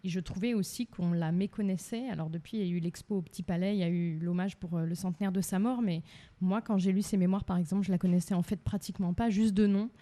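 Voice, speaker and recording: A woman gives conversational interview answers. Her voice sits a little low, and she explains things earnestly. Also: quick pace, mellow. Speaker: interview guest, playwright and director.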